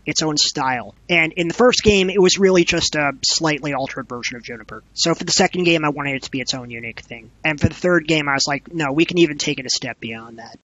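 A man's voice: fairly high pitch, fast talker, hardly any pauses, fairly bright tone, no echo, muffled recording. A man talking as an interview guest, explaining his work as a game developer in an emphatic way with rhetorical repetition. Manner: emphatic, repeats phrases in rhetorical runs.

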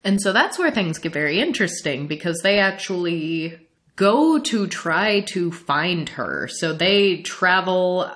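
A young adult woman from the Midwestern United States, chatting casually as a podcast co-host, animated and laughing often. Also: lowish voice, measured pace. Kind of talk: casual chat recapping an anime series.

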